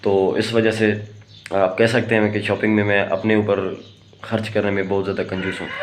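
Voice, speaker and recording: A hoarse man talks to camera in a loose, rambling vlog style, pausing on fillers and restarting sentences. His voice sits fairly low, and a faint hiss runs behind him. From Pakistan. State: hoarse from a sore throat. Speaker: vlogger. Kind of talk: casual vlog talk to camera.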